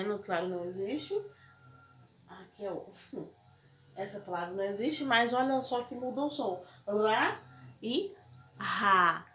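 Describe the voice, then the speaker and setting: Slow, patient Brazilian woman teacher. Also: mid-range voice. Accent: Brazilian Portuguese. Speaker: primary school teacher. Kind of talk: recorded classroom lesson. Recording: echoey room.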